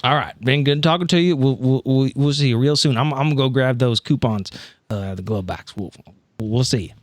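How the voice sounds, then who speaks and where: A man's voice: mid-range voice, no echo, lightly acted. A man playing a sheepish, hapless but determined schemer in a tabletop roleplay, rambling and interrupting himself. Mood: casual, hurried. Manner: halting, rambling, self-interrupting.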